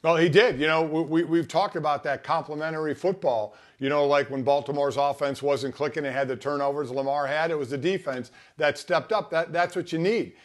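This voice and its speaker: An American man works as a co-host and analyst on a sports show. His voice sits slightly high for a man, and he comments in a loose, conversational way. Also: fairly quick, few pauses.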